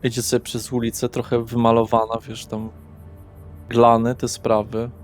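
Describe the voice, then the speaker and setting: Over soft guitar music, a man serves as game master for a horror tabletop game, narrating with atmosphere and tossing casual asides to his players. His medium-pitched voice stays monotone at a normal speed.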